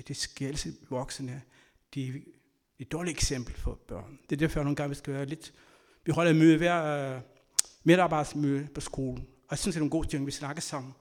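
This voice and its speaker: Earnest man preaching, slightly high voice. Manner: earnest, swings between loud and soft. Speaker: church speaker; school worker. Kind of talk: sermon with personal stories.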